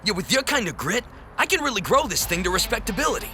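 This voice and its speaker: An actor playing the hustling, excitable boss of an illegal racing racket in an audio drama. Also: male voice, high voice, quick pace, exaggerated voice. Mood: hustling, impressed. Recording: music behind the voice.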